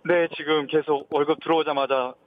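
Male phone-in caller, polite formal speech, slightly high pitch, thin telephone sound. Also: steady tone, fairly quick, no echo. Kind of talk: polite, formal reporting of personal troubles. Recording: thin narrow phone line.

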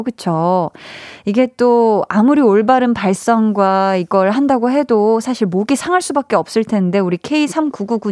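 A young woman hosting an evening radio show, chatting warmly and reading out listener messages with encouraging words. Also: medium pitch, no echo, clean studio sound. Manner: warm encouraging, cheers listeners on. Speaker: radio host. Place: radio studio. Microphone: studio microphone.

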